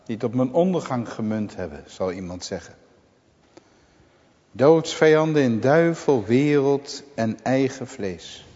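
Slow emphatic male preacher in reverberant church. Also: mid-range voice, animated, darkish tone. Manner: slow, emphatic preaching with dramatic pauses and exclamations. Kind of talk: sermon. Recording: dull lo-fi sound in a reverberant church.

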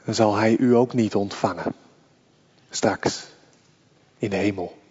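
A man preaching a sermon to his congregation, slow and solemn, rising at times into fervent emphasis. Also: lowish voice, a little mellow, husky. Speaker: pastor. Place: church. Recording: long church reverb, dull sound.

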